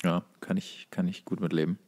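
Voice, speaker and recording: A man's voice: low voice, fairly even intonation, a little fast, a little mellow. Casual, rambling man chatting. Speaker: podcast co-host. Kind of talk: casual chat.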